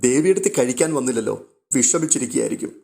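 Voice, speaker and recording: A man reading a gentle, pleading young wife. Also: mid-range voice, expressive, rapid-fire, vocal fry. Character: caring young wife, peacemaker.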